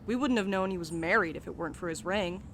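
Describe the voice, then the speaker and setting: A woman's voice: fairly low pitch, fast, slight background noise, natural voice. Woman playing a blunt casual mail carrier gal, teasing, audio drama, bit of background ambience. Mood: blunt, earnest. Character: blunt, bantering young mail carrier, bad with feelings. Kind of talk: naturalistic audio drama dialogue.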